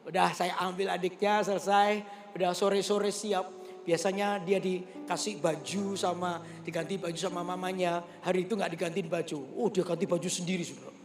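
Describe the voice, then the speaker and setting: High, gravelly-voiced preacher man. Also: flat delivery, normal speed. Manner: emphatic storytelling, addressing the congregation. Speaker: pastor. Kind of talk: conference sermon. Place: large church conference hall. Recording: echoey hall with music behind.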